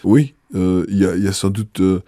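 Male bishop, interviewed; mellow, low tone, hesitant and measured delivery. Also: flat delivery, no room sound, studio quality. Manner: thoughtful, hesitant, frequent filler pauses. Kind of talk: interview answers.

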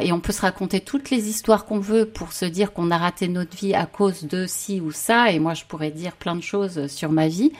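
A woman's voice: lowish voice, a little mellow. A woman, a mother, speaking earnestly about faith and suffering as a panel guest, reflective and often trailing off. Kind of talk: personal faith testimony in conversation.

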